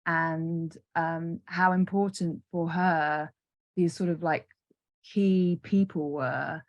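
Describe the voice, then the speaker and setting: A woman's voice: fairly low pitch, steady tone, slow pace, no room sound, highs cut off. A young woman from Cumbria giving an informal, slightly hesitant presentation on a video call. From Cumbria, England. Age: young adult. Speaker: arts project representative.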